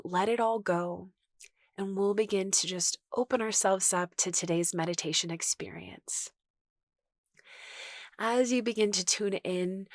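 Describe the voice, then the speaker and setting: A woman meditation teacher giving guided meditation instruction in a gentle, reassuring, unhurried manner. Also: medium pitch, no echo, studio quality.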